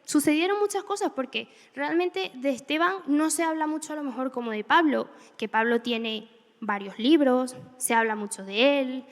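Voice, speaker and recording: High-voiced woman preaching. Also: normal speed, in a large hall. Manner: animated storytelling with laughs. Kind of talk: sermon. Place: church hall.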